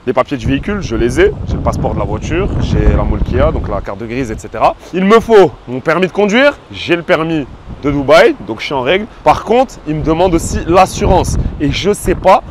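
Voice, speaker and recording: Fast-talking slangy man on the street. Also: fairly high pitch, noisy background. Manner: slangy, excitable, addresses viewers as family. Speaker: vlogger. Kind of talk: casual vlog to camera. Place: outdoors in a city, around a car pound.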